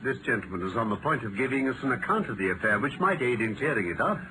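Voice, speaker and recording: An actor playing a brisk, commanding gentleman detective with an English accent and crisp, theatrical delivery. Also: mid-range voice, expressive, natural voice. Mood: cool, commanding. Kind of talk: 1940s-style radio acting. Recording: noisy vintage radio drama recording.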